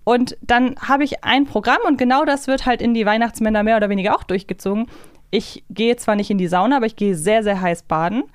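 A woman co-hosts a podcast, chatting casually and talkatively about an audio drama series, musing aloud and asking questions. Her voice is on the high side, brisk and smooth, recorded dry at studio quality.

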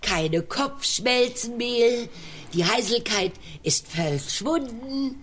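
An excitable woman from a children's audio play, high-pitched and swooping widely in tone. She speaks with slow, theatrical emphasis and a comic impediment that turns every R into L, indignant and insistent. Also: slight background noise. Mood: pleased. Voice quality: speech impediment swapping R sounds for L. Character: excitable adult woman with a cartoonish speech impediment. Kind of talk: children's audio drama acting.

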